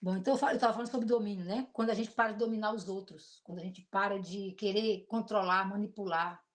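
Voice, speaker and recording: Fast-talking Brazilian woman pastor preaching. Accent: Brazilian Portuguese. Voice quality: deep voice. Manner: emotional, animated storytelling with shifts between loud and soft. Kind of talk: sermon with personal testimony.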